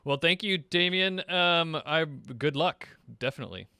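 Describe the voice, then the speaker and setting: A man's voice: fairly high pitch, lively intonation, normal speed, sharp tone, clean tone, no echo, studio quality. A man hosting a show in casual, upbeat chat with his guest. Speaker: show host.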